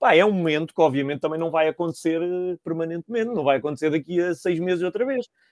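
A man's fairly high voice carries lively intonation in a dry, close sound with no echo. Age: 40s. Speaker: museum curator and software engineer. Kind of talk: casual interview. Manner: hesitant, many fillers.

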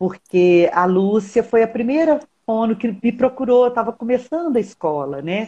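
Lively intonation marks an ordinary speaking voice moving at a moderate pace. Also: woman. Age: 60s. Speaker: singing teacher. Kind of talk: casual chat. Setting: video call.

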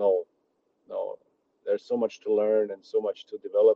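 A man talks at a moderate pace. He has a German accent. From Austria. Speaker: basketball coach. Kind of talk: recorded monologue.

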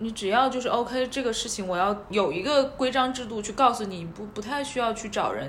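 Audible room echo and noticeable background noise surround a voice moving at a fairly quick pace. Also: woman. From China, Shenzhen. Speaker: visual artist. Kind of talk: casual chat.

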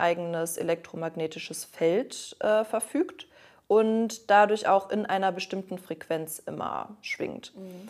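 At a fairly slow pace, the voice keeps ordinary pitch variation. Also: woman. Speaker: spiritual podcast co-host. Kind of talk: casual chat. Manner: halting.

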